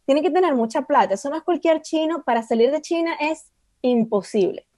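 A woman, a podcast guest telling animated stories and slipping into English phrases. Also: sits high, a little fast, no echo, clean studio sound. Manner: animated, mixes English phrases, acts out voices in anecdotes. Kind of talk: casual storytelling chat.

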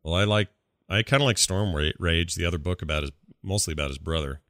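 Male gaming podcaster, bright and dry-sounding, rambling, slangy, enthusiastic delivery. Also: low-pitched, fast talker, no room sound. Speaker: podcast host. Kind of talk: casual gaming podcast chat.

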